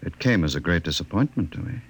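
An American actor in a 1950s radio drama playing a cold, menacing state director, measured and officious. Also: male voice, low-pitched, expressive, breathy edge. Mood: icy, smug. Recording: vintage 1950s radio broadcast.

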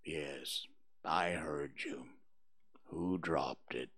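Man doing a deep, drawling storybook donkey, gloomy and breathy. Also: a bit bright, no room sound, studio quality, exaggerated voice. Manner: slow, sighing, mournful drawl. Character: gloomy old male donkey, self-pitying. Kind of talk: storybook reading.

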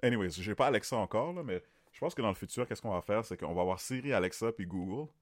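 A man's voice: on the low side, expressive, quick pace, no room sound, studio quality. A man with a Quebec French accent co-hosting a podcast. He cuts in eagerly and mixes English phrases into his French. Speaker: podcast co-host. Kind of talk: casual chat.

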